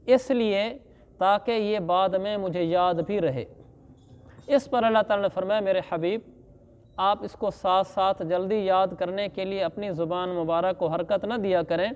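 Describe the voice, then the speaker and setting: A man giving a religious lesson on Quran commentary, reciting verses slowly and then explaining them plainly. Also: high-pitched, a little mellow, smooth, big-room sound. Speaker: Islamic scholar teaching Quran commentary.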